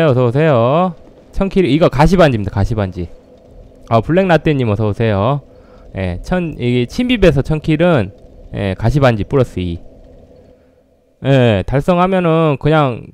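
A man's voice: mid-range voice, a little mellow. A man streaming a game live, greeting viewers and trash-talking the opponents he fights.

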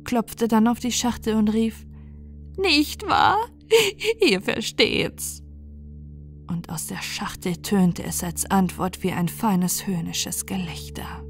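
A woman reading a fairy tale aloud as a calm, soothing bedtime story, with soft music underneath. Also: medium pitch. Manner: slow, soothing, soft at times.

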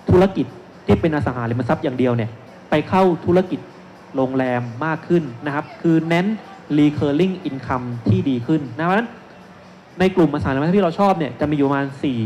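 A man's voice: a little high, a little mellow. A man in his thirties speaking as an analyst on a seminar stage into a handheld mic, explaining step by step with frequent polite particles. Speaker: securities analyst, panel speaker. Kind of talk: investment seminar presentation. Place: stage at a shopping mall expo, indoors. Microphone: handheld microphone. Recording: noisy live event sound.

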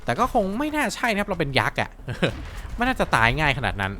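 A man hosting a let's-play, chatting excitedly and cheering himself on as he plays. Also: sits high, rapid-fire. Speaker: gaming channel host.

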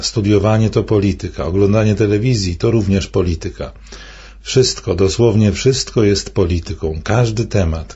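An older man delivering scripted commentary in a measured, declamatory way, posing rhetorical questions. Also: lowish voice, a little mellow, husky, highs cut off.

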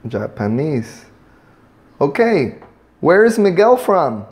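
A man's voice: on the high side, sing-song, takes it slowly, darkish tone. A man teaching an English class, patiently drilling a student with prompts and switching between two languages.

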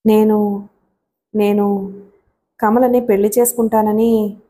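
A man's voice: high voice, fairly even intonation, warm tone, lightly acted. Woman reading a stammering nervous young man. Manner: stammering, halting. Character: young man, anxious, hesitant.

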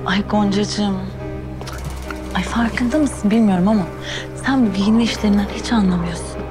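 A young actress playing a scheming rival who talks to others in a sugary, mocking, patronizing way, in a TV drama. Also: female voice, medium pitch, normal speed, lightly acted. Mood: taunting. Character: sly, condescending young woman rival. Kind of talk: television drama acting. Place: hotel meeting hall. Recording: scene music underneath.

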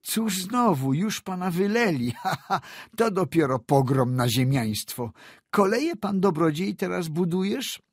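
A brash young landowner haggles and scoffs in a raised, lively voice, as a male narrator puts him on. The tone rides high and swings widely, with a husky grain. The sound is dry and close, as in an audiobook. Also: a little slow, no room sound, full character voice. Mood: mocking. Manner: bluster, bargaining, mocking laughs.

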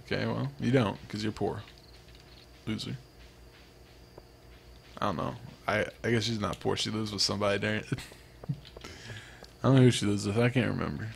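A man's voice: fairly low pitch, fairly even intonation, moderate pace, gravelly, long pauses, a little hiss or hum. A young man giving casual, rambling, self-mocking commentary as he plays a farming video game. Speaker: let's play host.

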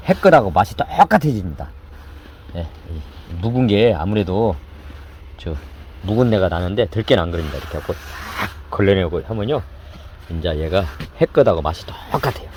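A man's voice: deep voice, animated, moderate pace, darkish tone, poor audio. Man chanting cooking steps over rain. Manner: repetitive running commentary while working, chanting instructions. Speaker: cooking channel host. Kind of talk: hands-on cooking demonstration. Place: indoors with downpour outside. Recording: heavy rain noise behind the voice.

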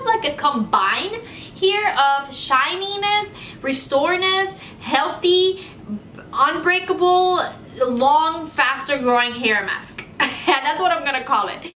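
A young woman with a Puerto Rican accent hosts a DIY beauty tutorial from her home studio, playful, giggly and chatty, laughing between phrases. Her voice sits high, pushed and bright, in an echoey room with faint music and slight background noise.

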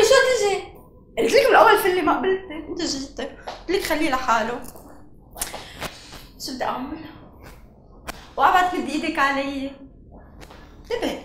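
A woman's voice: high voice, a little fast, pauses often, a bit bright, reverberant, slight background noise. A woman with a Levantine Arabic accent playing a vain, smug young woman who mocks a rival and drops French and English words. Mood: taunting. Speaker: prank actress.

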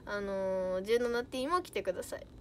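A woman's voice: a little high, a little hiss or hum. A young woman idol chatting casually on a livestream, reading out viewer comments with bubbly giggles.

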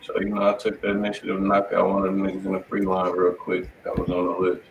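A man's voice: sits low, monotone, fast talker, lo-fi sound. A man with an American accent chatting casually in slang as host of a livestreamed music show. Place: indoor room on a livestream. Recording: echoey, distant mic, faint noise.

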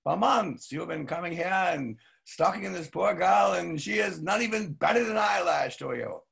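A worldly older-brother nobleman, acted by an older man in a stage play. The voice is very raspy and creaky, a bit high-set, teasing and paternal. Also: lively intonation, normal speed, a bit bright, exaggerated voice. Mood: chiding. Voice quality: gravelly, husky. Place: home study, video call.

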